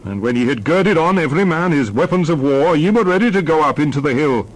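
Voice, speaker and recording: A man's voice: fairly high pitch, animated, fast talker, poor audio. A man playing a solemn prophet addressing his people, grave and oratorical, in a dramatized scripture reading. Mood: solemn, admonishing.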